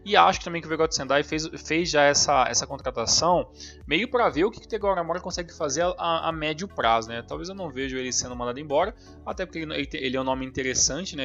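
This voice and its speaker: A man's voice: fairly high pitch, fairly bright tone. A man talks football on a podcast in a loose, rambling way, full of fillers and restarts. The recording is dull and lo-fi, with faint music behind him. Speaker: podcast co-host. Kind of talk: casual football chat.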